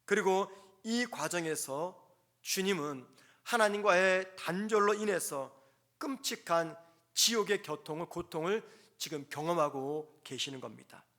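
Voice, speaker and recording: A man preaching in a church, his voice high for a man and bright, with a forceful edge. He delivers his sermon earnestly, pressing each short phrase and pausing between them. The tone is that of a pastor leading an early morning prayer service.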